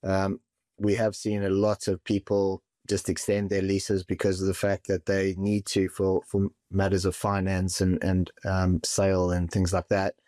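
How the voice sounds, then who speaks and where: A man with a very deep voice, answering interview questions as a property and mortgage advisor. He speaks steadily and often repeats a word as he restarts. The recording is dry and close. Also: completely flat delivery, a little mellow, dry recording. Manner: measured, stumbles and repeats words.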